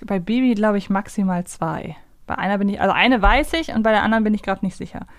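A woman's voice: medium pitch, fast talker, no room sound, studio quality. A woman chatting casually as a co-host playing a guessing game. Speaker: podcast co-host.

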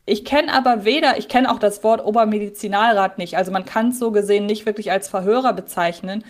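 Speaking fairly quickly in a mid-range voice, a woman co-hosts a podcast and reflects conversationally on an old audio drama episode she heard as a child.

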